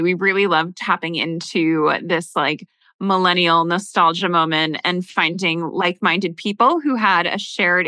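Upbeat woman guest, bright voice, says like a lot, dry mic. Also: lowish voice, dry recording. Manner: enthusiastic, uses filler "like". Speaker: guest podcast host. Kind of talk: casual chat.

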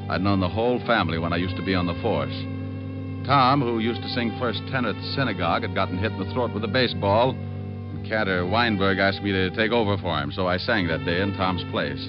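A man's voice: deep voice, lightly acted. An American man acting a cocky, flippant private detective who wisecracks and narrates in an old radio drama. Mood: reflective narration. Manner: flippant, quick with sarcastic quips. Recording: muffled old radio recording, music behind.

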